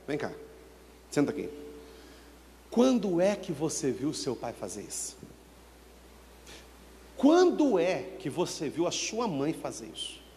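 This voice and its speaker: A pastor from Brazil preaching a sermon, with sudden swings in pitch and loudness as he acts out his church members. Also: big-room sound, slight background noise. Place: church hall.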